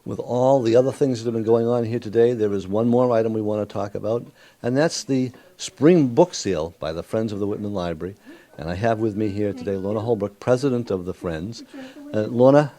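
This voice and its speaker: A man's voice: lowish voice, a little fast, warm tone. A man working as a local TV reporter, narrating and conducting interviews on site.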